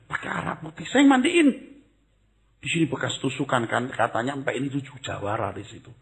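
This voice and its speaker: An older man preaching a sermon, jumping from loud exclamations to hushed asides. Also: mid-range voice. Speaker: pastor.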